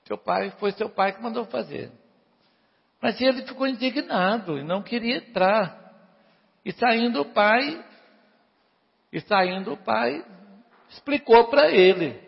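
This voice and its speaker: A man preaches with a high, husky and gravelly voice, animatedly retelling a parable and firing questions at his listeners. The sound is muffled and rings with a long hall echo. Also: unhurried, long pauses. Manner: animated, asks the congregation questions, urges them to answer louder.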